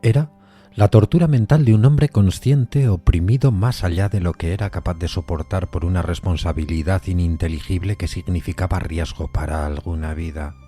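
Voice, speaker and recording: A man's voice: deep voice, moderate pace, dark tone, breathy edge, soft background music. A man narrating a scripted story in the first person, in a dramatic audio fiction style.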